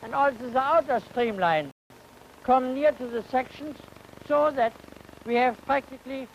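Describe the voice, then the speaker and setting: A man lecturing in an educational film demonstration, phrasing things haltingly and deliberately and posing questions to himself. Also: very high-pitched, muffled recording. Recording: noisy 1950 educational film soundtrack.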